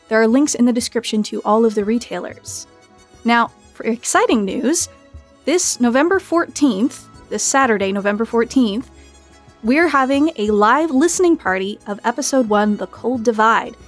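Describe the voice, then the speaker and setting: A woman's voice: fairly high pitch, lively intonation, moderate pace, faint music behind. A woman hosting a roundtable show, introducing and interviewing guests in a presenter's style. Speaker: host, associate producer and voice actor. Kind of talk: scripted podcast intro and interviewing.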